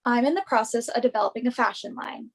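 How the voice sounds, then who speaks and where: A woman acting as a young fashion model in a naturalistic stage reading. Her voice sits fairly high, and she comes across as earnest, confident and assertive. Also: quick pace, gravelly, breathy edge. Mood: enthusiastic. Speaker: actor in a virtual staged reading.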